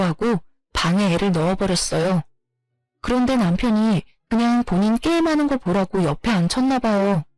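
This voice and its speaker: A woman narrating her own story in the first person, with plain, steady storytelling and a complaining tone. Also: mid-range voice, no room sound.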